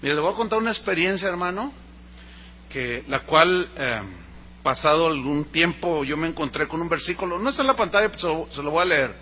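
A Mexican man preaching a sermon, telling a personal story and acting out the dialogue with lively energy. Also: fairly high pitch, brisk, slightly rough, muffled recording. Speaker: pastor.

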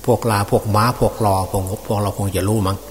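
A man preaching as a monk, folksy and unhurried, with many fillers. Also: on the low side, flat delivery. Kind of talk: Dhamma sermon. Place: open temple hall. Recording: distant reverberant hall with faint noise.

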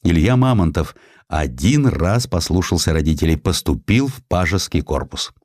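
Deep-voiced man narrating history. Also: expressive, normal speed, a little mellow, dry recording, clean studio sound. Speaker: audiobook narrator. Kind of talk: dramatic literary scripted narration of historical prose.

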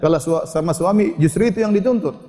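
A male Islamic preacher, lecturing a women's audience and reciting scripture slowly before explaining it. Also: high voice, warm tone. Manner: recites Arabic verses slowly then explains. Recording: long hall reverb.

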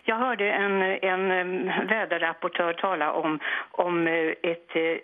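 A woman's voice: fairly low pitch, flat delivery. An older woman on a phone-in, talking with indignant conviction about how things ought to be said. Her voice comes through a dull, muffled line. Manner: indignant, opinionated about language. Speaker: caller, retired radio presenter. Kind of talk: phone-in chat.

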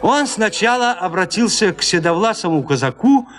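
A man narrating a classic story in a radio play, in an expressive, theatrical storytelling manner. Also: high-pitched, moderate pace.

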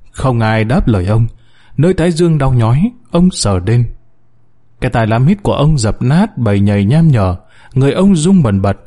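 Expressive male audiobook narrator. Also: mid-range voice. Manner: dramatic, expressive.

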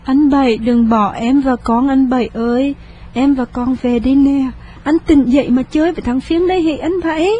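A woman's voice: sits high, normal speed, mellow, slightly rough, lo-fi sound. A woman voicing a frightened young wife in an audio story, pleading and choked with sobs. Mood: sobbing.

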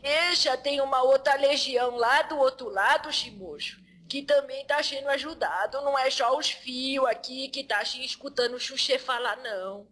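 A woman medium voicing the male spirit Exu, who talks slowly with a folksy drawl and laughs between phrases. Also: high voice, a bit bright. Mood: earthy, chuckling. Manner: drawling, folksy speech, calls listener "filho". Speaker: medium channeling an entity.

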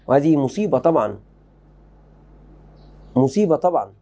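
A man's voice: on the high side, very animated, normal speed, dark tone. Emphatic man teaching religion. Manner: emphatic, repeats key phrases, quizzes students. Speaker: Islamic teacher. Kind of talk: religious lesson explaining a book.

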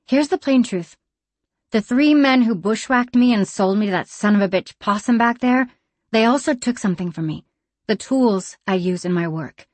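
A woman voicing a careful, deadpan female tinkerer who speaks in a measured, slightly formal way. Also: medium pitch, no echo, voice pushed up, lightly acted.

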